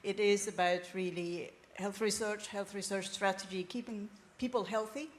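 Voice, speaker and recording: A woman answers questions as a director on a conference panel. Her voice has an average pitch. The delivery is conversational. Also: steady tone, normal speed. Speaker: research director, panel guest.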